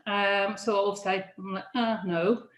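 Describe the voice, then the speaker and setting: A middle-aged woman, a careers adviser, talking in a halting, laughing interview manner with many restarts. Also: medium pitch, fairly even intonation, fairly bright tone. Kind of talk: casual interview chat. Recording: echoey room.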